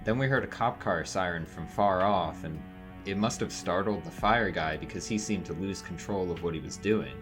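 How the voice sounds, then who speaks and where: A young man playing a shaken, earnest young witness in an audio drama, hesitant, halting and casual. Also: low voice, lightly acted. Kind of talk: naturalistic audio drama acting.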